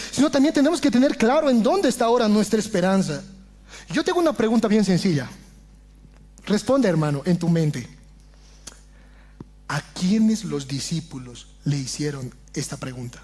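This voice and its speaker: A man's voice: sits high, expressive, moderate pace, darkish tone. A man, a pastor preaching a sermon in a church and often addressing the congregation as brothers.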